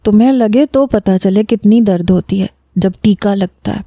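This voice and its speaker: A woman's voice: medium pitch, mellow, dry recording, natural voice. A woman voicing an injured young man with amnesia who whines and pouts like a scared child, in a storybook reading. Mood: sulky. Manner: whiny, pouting, childlike threats.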